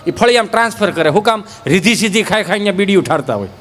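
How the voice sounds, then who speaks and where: Folksy comic storyteller. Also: male voice, high voice, fast, long reverb tail, noisy background. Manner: folksy, lively, acts out village characters. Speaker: stand-up comedian. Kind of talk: folk humor storytelling on stage.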